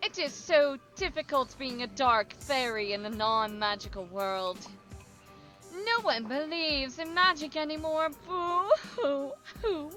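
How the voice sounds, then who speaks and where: A woman uses a whiny, high-pitched, put-on character voice at a fairly slow pace. Music plays in the background. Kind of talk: theatrical, self-pitying. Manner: mocking, whiny.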